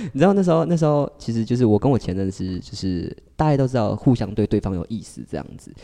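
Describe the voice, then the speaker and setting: Over a quiet background, a man with a medium pitch and dark, mellow tone talks at a very fast pace, with very wide pitch swings and big swings in loudness. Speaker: podcast guest. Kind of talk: casual chat.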